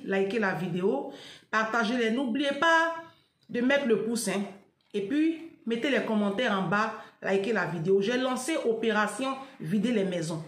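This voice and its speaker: A woman with an Ivorian French accent, talking straight to her viewers in a lively, scolding vlog style and often laughing between remarks. Her voice sits high. The room around her is echoey and reverberant. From Côte d'Ivoire. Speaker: vlogger. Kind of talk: casual vlog commentary.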